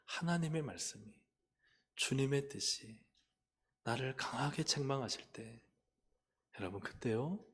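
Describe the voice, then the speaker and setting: A male pastor preaching a sermon, telling a personal story, asking rhetorical questions and getting loud and animated as he retells it. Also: medium pitch, measured pace, long pauses, slightly rough. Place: church sanctuary. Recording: long church hall reverb.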